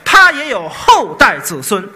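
A man, leading a Chinese crosstalk comedy routine, teasing his partner and telling a story with mock-solemn slowdowns. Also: high voice, huge pitch swings, pushed and bright, slight background noise. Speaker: lead comic in a crosstalk duo.

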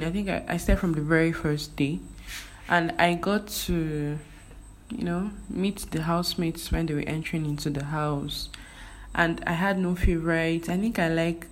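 This young Nigerian vlogger, whose first language is Igbo, chats casually in a Nigerian accent with plenty of fillers and restarts. Her voice sits low, and faint background noise runs underneath.

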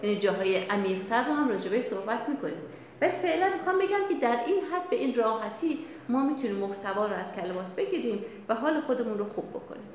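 Lady shrink running a workshop, talks kinda high, super echoey room, chatty. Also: dull audio. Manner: lively, explanatory, chatty with the audience. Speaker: psychologist leading a workshop. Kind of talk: workshop lecture.

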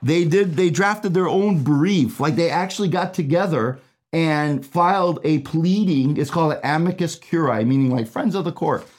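Man, trial attorney, from Iraq; casual rambling legal explainer, voice a bit high. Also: normal speed, a little mellow. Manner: chatty, many fillers and asides, laughs at own jokes.

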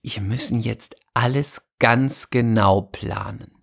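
A woman actress in casual chat, excitable and dramatic, quick to laugh. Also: extremely low pitch, creaky, slightly rough.

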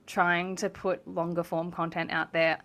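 A woman's voice: fairly low pitch, level tone, unhurried, fairly bright tone. A woman, co-hosting a podcast in a rambling, chatty way and laughing often. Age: late 20s. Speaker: podcast co-host, developmental psychology academic. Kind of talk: casual chat.

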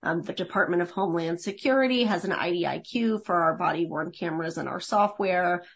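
Female executive reporting figures on an earnings call, lowish husky voice, slightly muffled audio. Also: a little fast. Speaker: company executive. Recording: dull, lo-fi conference-call audio.

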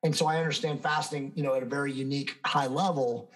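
A man's voice: mid-range voice, steady tone, quick pace, rough recording. Confident man in his fifties, a fitness guest who lectures emphatically, mid-range voice. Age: 50s. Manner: emphatic, self-assured, lecturing. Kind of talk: conversational interview answers.

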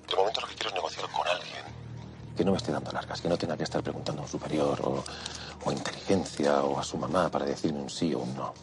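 An actor playing a calm, courteous heist mastermind whose voice comes through a voice modifier as a deep, metallic sound. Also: male voice, music in the background. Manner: polite, measured, formally courteous. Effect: voice modifier, deep metallic distortion. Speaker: robber leader negotiating by phone.

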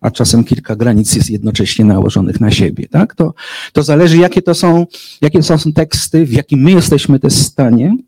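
A man's voice: medium pitch, lively intonation, fairly quick, creaky, dark tone, slightly rough, dry recording, rough recording. A man who works as a literary translator, answering interview questions in a hesitant, thoughtful way, full of fillers and restarts.

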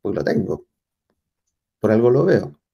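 A man from Chile with a Chilean accent, talking as an interview guest in a thoughtful way, often pausing and restarting as he searches for words. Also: fairly low pitch, sing-song, gravelly, husky, highs cut off. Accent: Chilean Spanish. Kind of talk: reflective conversational interview.

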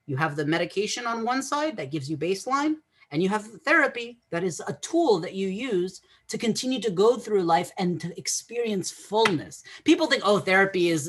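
Husky-voiced man explaining earnestly. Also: high-pitched, pushed and bright. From Egyptian family, raised English-speaking. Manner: earnest, explanatory, repeats words while thinking. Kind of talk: podcast interview.

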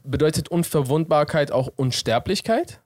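A man's voice: fairly high pitch, expressive, moderate pace, a little mellow, no room sound, studio quality. A young man co-hosting a casual chat, playful and laughing often as he tries out silly intonations. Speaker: podcast co-host.

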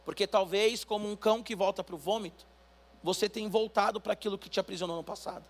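A man with a Brazilian Portuguese accent preaching a sermon as pastor, building to loud emphatic calls for the congregation to respond. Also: sits high, fairly even intonation, fast.

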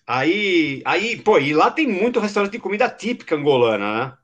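A man talks through a podcast episode in loose, rambling chat. His voice sits a little high for a man and swings widely up and down as he tells the story, packed with fillers and street slang. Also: big pitch swings, moderate pace, a bit bright, highs cut off. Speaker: podcast host.

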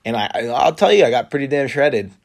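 A man's voice: mid-range voice, animated, fast. A young man co-hosting a casual podcast, talking loosely with swearing, laughter and frequent restarts. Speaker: podcast co-host. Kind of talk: casual chat.

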